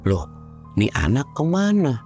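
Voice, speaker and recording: A man voicing a panicked young male hiker who shouts for his friend in a high, strained voice. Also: huge pitch swings, measured pace, soft background music.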